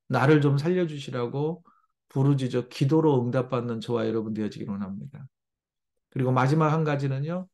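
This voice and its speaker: Brief: male pastor, sermon delivery, gravelly edge, slightly raised pitch, emphatic and pleading. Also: darkish tone. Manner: emphatic, acts out pleading quotes, addresses congregation often.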